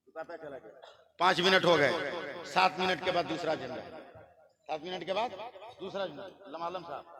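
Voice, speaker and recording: A male preacher telling a story in a sermon, animated and rising to shouts. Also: a little high. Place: stage before a large gathering. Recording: loud crowd of a large gathering.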